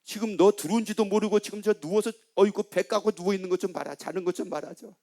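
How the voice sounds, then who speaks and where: A man's voice: high voice, fast talker, creaky, dark tone. A male pastor voicing a taunting devil who coaxes people toward anger with repeated questions. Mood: coaxing. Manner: coaxing, needling, repeats short questions.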